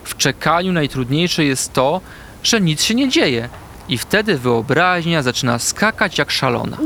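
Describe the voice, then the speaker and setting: A man voicing a kind, wise female owl who explains things gently and patiently in a children's story. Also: a little high, sing-song, measured pace, gravelly, slight background noise, full character voice. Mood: gentle.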